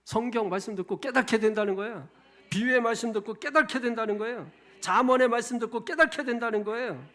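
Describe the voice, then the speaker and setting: A middle-aged male pastor preaching a sermon, emphatic, firing off repeated rhetorical questions with loud stresses on key words. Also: extremely high pitch, fast talker. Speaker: senior pastor.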